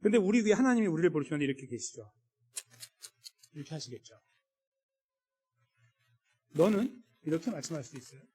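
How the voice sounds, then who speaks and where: A man's voice: a little high, sing-song, rapid-fire, long pauses, a little mellow, husky. A man preaching a sermon as pastor, in a conversational way that acts out what people might say. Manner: conversational, acts out quoted voices. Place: church sanctuary. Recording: echoey church hall.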